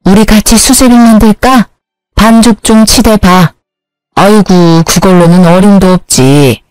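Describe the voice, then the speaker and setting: A woman voicing a stern older mother-in-law who speaks slowly and scolds. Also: medium pitch, a little mellow, smooth, no echo, natural voice. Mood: scolding. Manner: slow, scolding.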